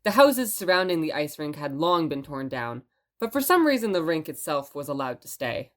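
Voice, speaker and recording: A woman playing a chatty, playful radio host in an audio drama, telling stories in a conversational, wry and expressive way. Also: sits low, moderate pace. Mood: measured storytelling. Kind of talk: audio drama radio broadcast and scripted narration.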